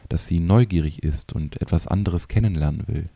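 A man reading a gentle, wise old sage. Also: low voice, brisk, creaky, no room sound. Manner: soft, understanding.

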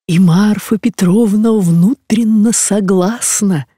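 A man's voice: high voice, takes it slowly, warm tone, slightly rough, no echo, clean studio sound, exaggerated voice. A reader voicing a fussy, evasive older provincial man who meekly pleads and dodges in an audiobook. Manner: flustered, meek pleading.

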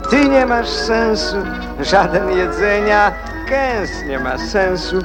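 A man's voice: high-pitched, very animated, slow pace, loud music behind the voice, full character voice. A man playing a whimsical cat musing on nonsense in lilting rhyme in a musical radio play.

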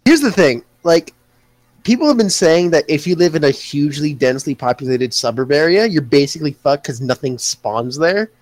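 A young man hosting a casual chat, rambling excitedly and swearing freely. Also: a little high, moderate pace, dry recording.

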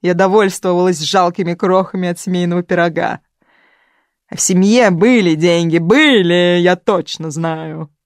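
An audiobook reader voicing a theatrical, self-pitying older woman who speaks loudly and drags out her complaints. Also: mid-range voice, flat delivery, clean tone, dry recording, studio quality, natural voice. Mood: bitter, indignant. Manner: melodramatic, loud and drawn-out.

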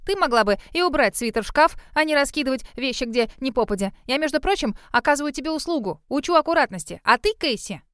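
A woman voicing a vain, fussy female dog who is quick to protest in an indignant, huffy way. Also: high voice, animated, a bit bright, no room sound, clean studio sound, voice pushed up.

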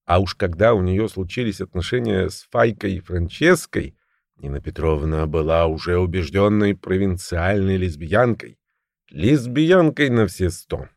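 A man's voice: low voice, animated, a little slow, vocal fry, darkish tone, no echo, studio quality. A man narrating a first-person audiobook story in a wry, ironic storytelling manner.

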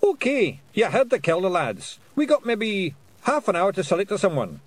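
A man voicing a tiny, fierce fairy chief with a loud, gruff brogue. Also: high voice, sing-song, moderate pace, no room sound, voice pushed up. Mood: rowdy.

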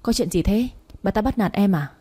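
A woman's voice: medium pitch, animated, brisk, warm tone, slightly rough. A woman voicing an earnest young boyfriend. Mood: hushed. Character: young man, protective devoted boyfriend.

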